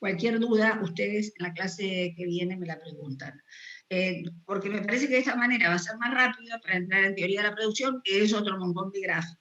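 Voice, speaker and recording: With a normal speaking voice, a woman talks at a medium pitch and fairly quick pace, showing ordinary pitch variation and big swings in loudness. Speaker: university lecturer. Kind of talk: lecture.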